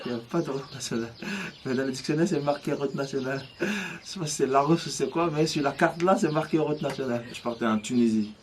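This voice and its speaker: A man, telling his own story in a hesitant, halting way full of restarts. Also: mid-range voice, slight background noise. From Côte d'Ivoire. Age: 30s. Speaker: interviewee. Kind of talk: personal testimony.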